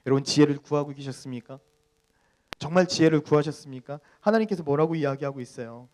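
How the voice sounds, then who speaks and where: A male pastor preaching a youth sermon in an animated way, questioning the congregation and leading group Bible readings. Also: a little high, fast.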